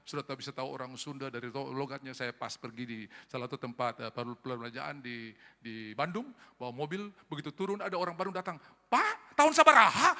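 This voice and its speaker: Animated man preaching in a reverberant hall. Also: fairly high pitch. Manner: animated, jokes and mimics regional accents. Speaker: pastor. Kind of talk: sermon. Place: church hall. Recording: long reverb of a church hall.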